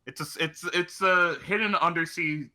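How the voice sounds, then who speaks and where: A man's voice: fairly high pitch, moderate pace, sharp tone. A young man co-hosting a casual chat in a blunt, irreverent way, swearing casually. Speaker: podcast co-host.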